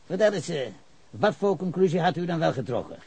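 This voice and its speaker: A man's voice: a little high, lively intonation, fairly quick, mellow, husky, dry recording. An actor playing an evasive, argumentative, pedantic male witness with leftist ideals in a radio drama. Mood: defiant.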